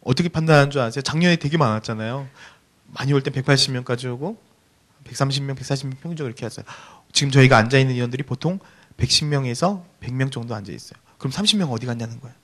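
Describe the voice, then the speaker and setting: A man preaching a sermon as a youth pastor, earnest and pleading, often dropping to a soft hush, speaking in a church hall. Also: mid-range voice, racing.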